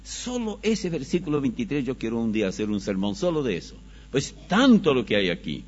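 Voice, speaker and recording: A man preaching a Bible study, reading scripture slowly and with emphasis, recorded on dull, lo-fi audio. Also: medium pitch, breathy edge. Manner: slow, emphatic scripture reading with animated rises.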